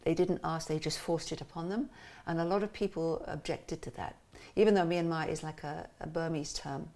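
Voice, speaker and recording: A woman telling family and cultural stories as an interview guest in a lively, animated way. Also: deep voice, moderate pace. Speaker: interview guest, musician and cartoonist. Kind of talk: casual conversational interview.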